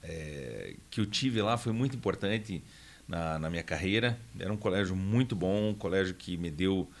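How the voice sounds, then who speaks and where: A man's voice: deep voice, moderate pace. A man in his fifties from southern Brazil, a guest in a radio studio interview, speaking hesitantly with frequent fillers and restarts. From Paraná, Brazil. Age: 50s. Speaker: guest, honorary consul.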